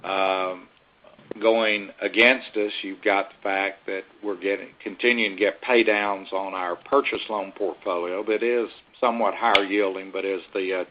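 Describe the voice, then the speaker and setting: A man with a deep voice answers as a company executive on an earnings call. His delivery is unscripted and measured, with halting, carefully qualified phrasing. The audio is dull, like a conference line.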